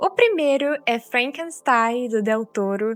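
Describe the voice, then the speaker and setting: A woman's high voice with lively intonation and a Rio de Janeiro accent, music in the background. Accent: Rio de Janeiro (carioca), strong hissing S. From Rio de Janeiro state, Brazil. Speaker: YouTuber, vlogger. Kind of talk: casual monthly favorites vlog. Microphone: broken microphone, using substitute.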